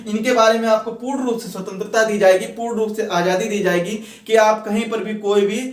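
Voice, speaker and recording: High-voiced man teaching, roomy and distant. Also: fairly even intonation, fairly quick. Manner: repetitive, rephrasing points step by step; mixes English terms into speech. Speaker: exam-prep teacher. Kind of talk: explanatory lecture for exam students. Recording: roomy echo, distant from mic.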